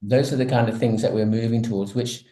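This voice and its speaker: A man's voice: lowish voice, fairly even intonation, quick pace, dark tone. A man talking casually on a podcast, explaining ideas in a loose, conversational way. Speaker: podcast participant from a betting tech company. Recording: roomy, echoing sound.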